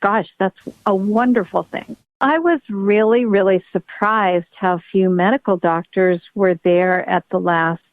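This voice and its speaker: A woman's voice: mid-range voice, a little slow, few pauses, no echo. Woman guest expert, middle-aged, eager explainer, phone-quality line. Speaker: pediatric neurologist guest. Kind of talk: podcast interview. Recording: tinny phone-like line, dry.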